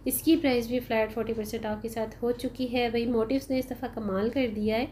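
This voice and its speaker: A chatty woman with a mellow, steady, fairly high voice talks through her sale haul for a shopping vlog. She's unhurried, fills gaps with frequent "uh"s, and calls viewers "janab" and "bhai," over a slight hiss or hum.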